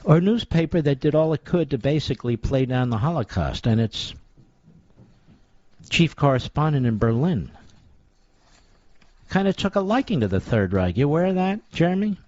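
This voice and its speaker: A man's voice: fairly high pitch, very animated, moderate pace, long pauses, darkish tone, dry recording. A man hosting a talk radio show, delivering a sarcastic, combative opinion monologue. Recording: dull lo-fi dry sound.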